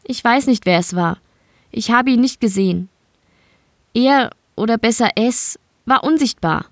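A woman's voice: on the high side, animated, a little slow, no echo, clean studio sound, pitched above the performer's own voice. A woman voicing a beaten young female prison guard who speaks bitterly and reproachfully in an audiobook. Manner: reproachful, pointed.

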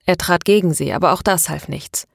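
A woman narrating a novel in a steady, measured reading. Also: on the low side, vocal fry, breathy edge, dry recording, clean studio sound. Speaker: audiobook narrator. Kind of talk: scripted narration.

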